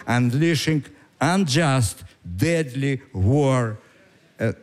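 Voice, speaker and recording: A man in his nineties with a Russian accent, telling a story on stage in a halting way with many pauses and fillers. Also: mid-range voice. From Ukraine. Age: 90s. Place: stage before a live audience.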